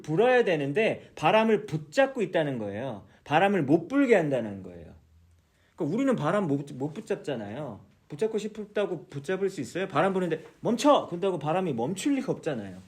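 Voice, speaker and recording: A man teaching a church Bible study, explaining patiently, repeating key words and asking his listeners many questions. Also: high voice. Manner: mixes English words into explanations.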